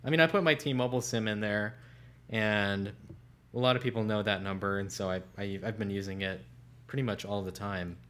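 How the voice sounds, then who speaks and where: A man co-hosting a casual tech podcast as a smartphone editor, relaxed and trailing off quietly at the ends of phrases. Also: fairly low pitch, a little fast. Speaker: senior smartphone editor, co-host.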